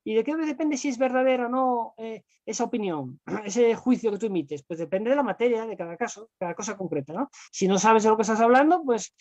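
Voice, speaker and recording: A man's voice: sits high, animated, fairly quick, hardly any pauses, darkish tone, no echo. A man, a guest explaining philosophy in conversation, who talks on in long runs full of fillers and rhetorical tags. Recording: dull, lo-fi dry sound.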